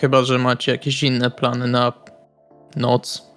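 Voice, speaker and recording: A man's voice: medium pitch, monotone, measured pace, fairly bright tone. A man playing a tabletop role-playing game, casually speaking in character and describing his actions. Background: music.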